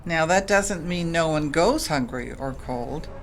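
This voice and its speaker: An actress playing a kindly, patient Catholic sister in an audio drama, explaining things gently. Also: female voice, low voice, animated, unhurried, a little hiss or hum.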